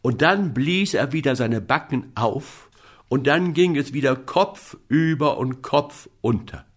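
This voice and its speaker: A man reading a fairy tale aloud in an expressive storybook manner. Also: medium pitch, breathy edge. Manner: expressive, slow storybook narration.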